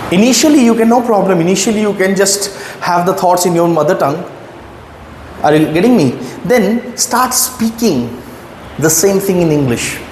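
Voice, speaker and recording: A man's voice: high voice, a little hiss or hum. Indian man teaching English in an echoey hall. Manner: emphatic, asks the listener rhetorical questions. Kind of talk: motivational spoken-English lesson. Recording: echoey room with long reverb, faint ambience.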